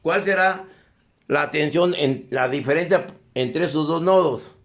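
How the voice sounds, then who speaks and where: A male teacher giving a live electronics class, often pausing to ask students if they follow. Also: fairly high pitch, fairly bright tone. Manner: constantly checks in with questions to the class. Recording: echoey classroom.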